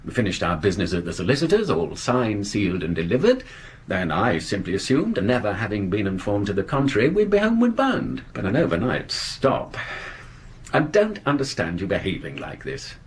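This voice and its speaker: An actor playing a curt, sarcastic husband with an English accent, clipped and sardonic, in a 1980s radio drama. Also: male voice, fairly low pitch, wildly swooping pitch, fairly quick. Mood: irritated.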